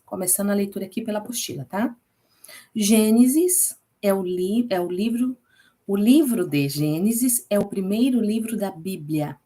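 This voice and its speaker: A Brazilian woman leads a relaxed Bible study lesson in a mellow, warm-toned voice. She talks in a chatty way and keeps checking in with her listeners as she goes. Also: mid-range voice. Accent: Brazilian Portuguese. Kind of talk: casual recorded class.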